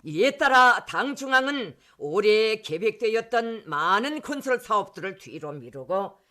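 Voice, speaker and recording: High-voiced North Korean man declaiming a speech. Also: very animated, a little slow, sharp tone. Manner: declamatory, solemn, emphatic. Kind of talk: formal scripted political speech.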